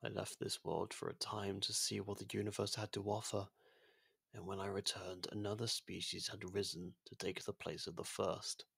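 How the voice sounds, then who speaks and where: A man playing a low, creaky ancient being. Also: flat delivery, no echo, exaggerated voice. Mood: solemn, detached. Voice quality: husky, creaky, soft. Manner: measured, formal, gently confiding. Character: ancient genocidal otherworldly being, imprisoned, now courteous and fond. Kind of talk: intimate ASMR audio roleplay.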